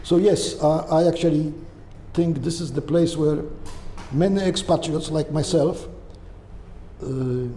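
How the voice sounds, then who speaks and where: In halting, searching interview answers, an older Polish-accented man from Poland often checks in with "right?" and "okay?". His slightly high voice is soft, mellow, and steady in tone. Long room reverb sits over a faint hiss.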